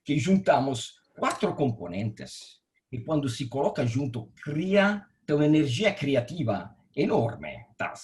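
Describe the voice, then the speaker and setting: Speaking a bit slowly in a fairly high, slightly mellow voice with big pitch swings, this Italian telecom engineering director fields questions in a live-streamed video call interview. He frequently repeats words and starts sentences over while explaining.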